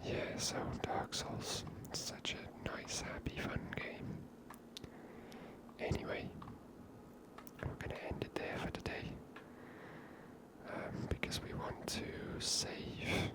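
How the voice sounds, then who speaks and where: Female ASMR gamer, breathy whisper, casual chatty delivery, unscripted game commentary. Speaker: ASMR gaming host.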